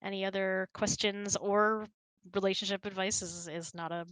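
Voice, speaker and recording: A woman's voice: medium pitch, steady tone, moderate pace, fairly bright tone, smooth, dry recording. A woman host chatting casually and candidly in an informal, emphatic way. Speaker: host of a relationship Q&A hangout. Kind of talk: casual chat.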